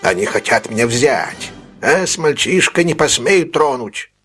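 A man doing a slow menacing brute. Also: lowish voice, fairly bright tone, faint music behind. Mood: desperate. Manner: slow, threatening growl. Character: menacing brutal male robber, desperate.

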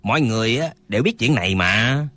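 A man acts out a cranky old swordsman with a short fuse, snapping back in a husky voice that leaps around in pitch. It sounds dry, right at the mic. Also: lively intonation, fairly quick, sharp tone, dry recording. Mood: irritable. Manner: irritable, snapping. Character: hot-tempered old male martial eccentric.

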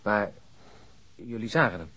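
A man playing a calm police investigator in a radio drama, asking patient, probing questions. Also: on the low side, measured pace, husky, heavily acted, low-quality recording. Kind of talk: naturalistic radio drama acting.

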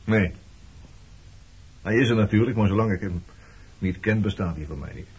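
A man acting in a radio play as an evasive, detached former lover, talking in a dry, offhand, probing and faintly mocking way with a husky, rough-edged voice. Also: fairly low pitch, normal speed, a little mellow, a little hiss or hum, lightly acted. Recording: dull lo-fi old radio recording.

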